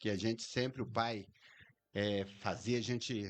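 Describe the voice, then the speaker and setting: A man at a fairly slow pace. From Brazil, southern Minas Gerais (Três Pontas). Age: 60s. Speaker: supermarket owner, businessman. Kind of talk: interview.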